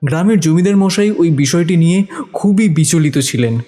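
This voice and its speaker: A man's voice: fairly high pitch, animated, moderate pace. A man narrating a village ghost story in a dramatic scripted style. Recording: narration over loud music. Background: music with crickets.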